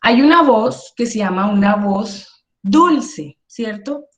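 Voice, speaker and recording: Energetic woman teaching, echoey room. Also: a little high, takes it slowly. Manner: energetic, emphatic, asks "¿sí?" often. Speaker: workshop instructor. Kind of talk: online workshop lecture.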